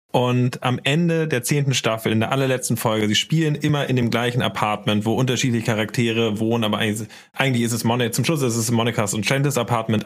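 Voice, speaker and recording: A man, co-hosting a podcast and casually telling stories. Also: medium pitch. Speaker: podcast co-host. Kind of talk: casual storytelling in podcast chat.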